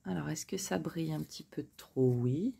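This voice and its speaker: Woman, low gravelly voice, dark and husky, chatty tarot reader, hesitant with fillers. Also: moderate pace. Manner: chatty, hesitant with frequent fillers, self-joking. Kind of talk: casual spoken card reading.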